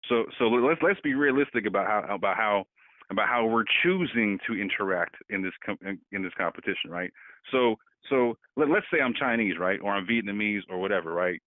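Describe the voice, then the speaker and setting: A man's voice: fairly low pitch, animated, brisk, no room sound. A man co-hosting a casual political discussion, talking animatedly and repeating words as he builds his points. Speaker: podcast co-host. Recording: tinny phone-line sound.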